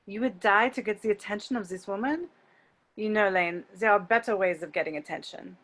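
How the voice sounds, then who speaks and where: A woman's voice: mid-range voice, fairly quick, a bit bright, natural voice. A woman playing a frank, encouraging young French exchange student in an amateur script read over a video call. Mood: frank, prodding.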